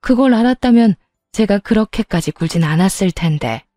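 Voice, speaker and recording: A money-hungry sister-in-law, put on by a woman, makes brazen, pushy demands. Her voice is mellow and dark. The sound is dry and close. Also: mid-range voice, lively intonation, brisk, dry recording, soft background music, natural voice. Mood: wheedling. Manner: sugary then brazen and demanding. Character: greedy scheming older sister-in-law, woman.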